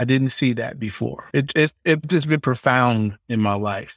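A normal speaking voice with an American accent comes at a moderate pace, dry and close with no echo, on a very clean recording with a silent background. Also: man. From US Midwest, Gary, Indiana. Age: 50s. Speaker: author and lawyer. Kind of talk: interview conversation.

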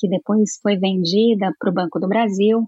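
A somewhat breathy woman's voice at medium pitch holds a fairly even intonation and a moderate pace. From Brazil, Minas Gerais (Triângulo Mineiro). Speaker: HR executive and mentor. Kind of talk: interview.

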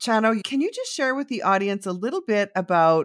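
A woman speaks in an ordinary speaking voice at a medium pitch with lively intonation. The recording is very clean with a silent background and a dry, close sound with no echo. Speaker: podcast host. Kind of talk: interview.

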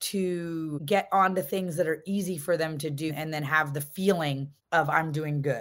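In an ordinary speaking voice, a woman talks at a fairly slow pace and a fairly low pitch with ordinary pitch variation, on a very clean recording with a silent background. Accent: American. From upstate New York. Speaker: regenerative farmer and restaurant owner. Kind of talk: interview conversation.

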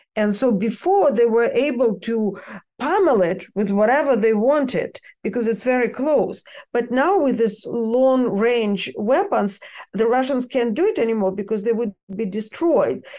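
With a non-native accent and a dark, mellow tone, the speaker moves at a fairly slow pace with lively intonation. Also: woman, fairly high pitch for a woman. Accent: foreign, non-Ukrainian accent in English. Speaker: war correspondent. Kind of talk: interview. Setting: call.

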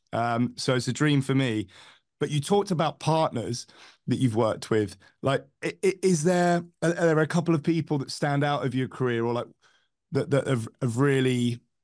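This man has a plain, everyday voice of medium pitch. His pitch varies in an ordinary way at a moderate pace. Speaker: podcast host. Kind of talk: interview.

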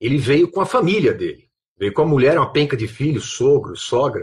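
Against a quiet background, a man speaks in a somewhat breathy voice. His pitch is fairly high and his intonation lively. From São Paulo, Brazil (Zona Norte). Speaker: actor and voice-over artist. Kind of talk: casual interview chat. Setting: online call. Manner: animated.

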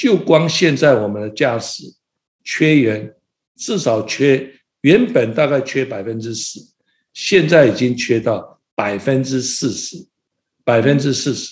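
A man speaks at a very slow pace with long, frequent pauses, his voice somewhat breathy. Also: medium pitch for a man, ordinary pitch variation. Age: 60s. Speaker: business executive. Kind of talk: interview. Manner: frequent filler sounds.

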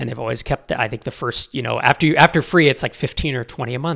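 Over a very clean recording with a silent background, a man talks at a very fast pace with vocal fry. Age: 40s. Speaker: startup investor and podcaster. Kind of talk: interview.

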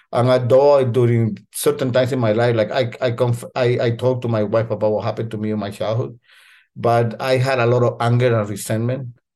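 A man at medium pitch with a dark, mellow tone, fairly quick and in monotone, flat intonation, against a quiet background. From Guatemala. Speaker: storyteller. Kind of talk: personal storytelling.

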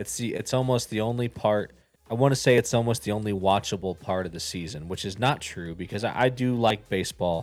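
Speaking at a fairly quick pace, a man with a fairly low pitch and an unremarkable speaking voice shows ordinary pitch variation on a very clean recording with a silent background. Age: 40s. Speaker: sports podcast co-host and youth soccer coach. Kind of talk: casual sports talk.

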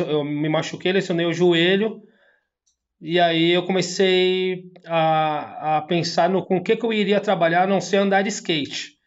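A man's ordinary speaking voice at a fairly slow pace, with fairly even intonation. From São Paulo, Zona Norte. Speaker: streetwear brand entrepreneur. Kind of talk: interview.

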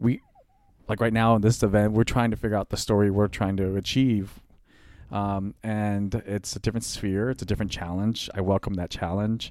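This man has a normal speaking voice, fairly low in pitch, and talks at a moderate pace with an American accent. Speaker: artist and content creator. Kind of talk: casual interview chat.

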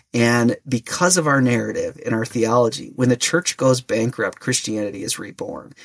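Dry and close with no echo, a man speaks with a Minnesota accent. His pitch is medium, his pace fairly slow. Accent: Minnesotan American. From US Upper Midwest, Twin Cities suburb, Minnesota. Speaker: seminary professor. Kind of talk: interview conversation.

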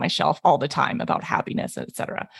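A woman talks at a very fast pace. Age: 40s. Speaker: physician and coach. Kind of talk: interview. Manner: animated.

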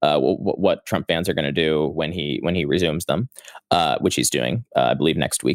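Vocal fry marks this American-accented voice, heard with a dry, close sound and no echo. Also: man. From US Midwest, St. Louis. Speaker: journalist. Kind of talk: casual chat. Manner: halting.

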